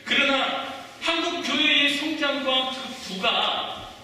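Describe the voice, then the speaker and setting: A man in his forties preaching in a high, sharp voice that leaps up and down as he fires questions at the congregation. He is heard from a distance in a big echoey hall, with a long reverb tail and a faint hiss behind him. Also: slow. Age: 40s. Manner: conversational, quizzing the congregation with questions. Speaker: pastor. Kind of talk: sermon. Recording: echoey hall, voice from far off the mic.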